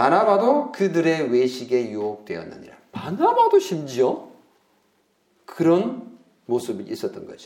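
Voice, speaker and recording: A man talks at a fairly slow pace, his loudness swinging widely. Audible room echo is present. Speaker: pastor. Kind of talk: sermon. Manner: conversational.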